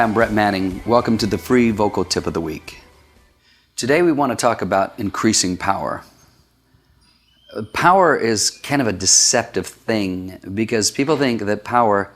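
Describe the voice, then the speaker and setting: A man as a vocal coach hosting a weekly vocal tip, explaining singing technique in a clear instructional way with short demonstrations. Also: fairly low pitch, a little slow, a bit bright, faint music behind. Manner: explanatory, with sung and syllable demonstrations.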